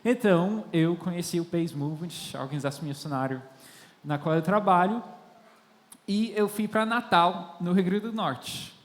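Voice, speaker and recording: A young man with a high voice preaches at a moderate pace in a large church hall, where the recording carries a long, echoey reverb. Born and raised in France to Irish parents and not a native Portuguese speaker, he is a missionary and guest preacher delivering a sermon with storytelling to the congregation.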